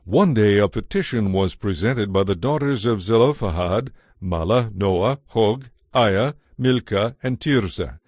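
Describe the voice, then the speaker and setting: A man giving a measured, formal narration of scripture from a script. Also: lowish voice, animated, darkish tone, no room sound, studio quality. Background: music.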